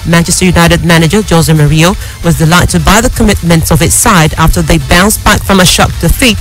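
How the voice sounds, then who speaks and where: A woman's voice: lowish voice, rough recording. Nigerian woman reading radio news over music. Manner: formal, measured newsreader delivery. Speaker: news anchor.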